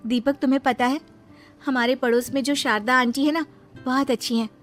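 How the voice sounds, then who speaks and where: Woman doing a soft-spoken young daughter-in-law, polite, fairly high voice, cartoon story. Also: fairly even intonation, fairly quick, faint music behind, natural voice. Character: young gentle daughter-in-law, meek and hurt.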